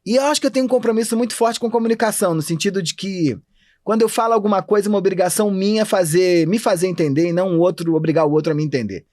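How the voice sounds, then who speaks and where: Brazilian guy talking fast n animated on a podcast, fairly high voice, dry studio sound. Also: no echo. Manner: animated, talks fast and thinks aloud. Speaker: anthropologist guest. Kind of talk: casual podcast interview.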